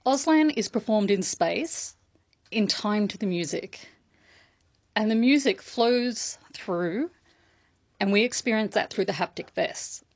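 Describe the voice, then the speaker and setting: A woman interpreting a deaf guest's answers aloud, speaking in a measured, thoughtful way. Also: medium pitch, lively intonation, no room sound. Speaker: sign language interpreter.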